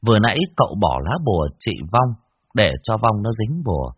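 A man narrating a ghost story in a lively, dramatic way. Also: fairly low pitch, brisk, slightly rough, dry recording. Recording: dull lo-fi dry recording.

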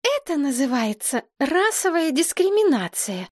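A woman reading an audiobook, voicing a bossy, indignant young princess who scolds in a high, dramatic voice. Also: sing-song, a little slow, dry recording, studio quality. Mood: scolding. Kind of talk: audiobook character voice.

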